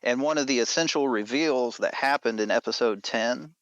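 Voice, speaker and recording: A man's voice: medium pitch, normal speed, a bit bright, dry recording, lo-fi sound. A man recapping a story as a podcast guest, in a casual, wry way. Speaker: podcast guest, writer and editor.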